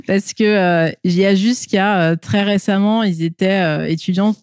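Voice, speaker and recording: A woman answers interview questions conversationally through a face mask, halting often with filled pauses. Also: mid-range voice, animated, darkish tone, smooth, no echo, clean studio sound. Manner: hesitant, halting delivery with frequent filled pauses. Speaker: interview guest, school staff working with companies and alumni.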